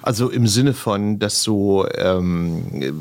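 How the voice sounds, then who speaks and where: A man's voice: fairly low pitch, slow, a little mellow. A man interviewing a guest, asking casual follow-up questions. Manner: casual and probing, asks follow-ups.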